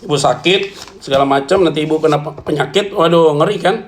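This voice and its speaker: High-voiced blunt joking pastor, a man. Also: quick pace, a little hiss or hum. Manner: blunt, joking, colloquial, calls listeners "saudara". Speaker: pastor answering questions. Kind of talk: church Q&A talk.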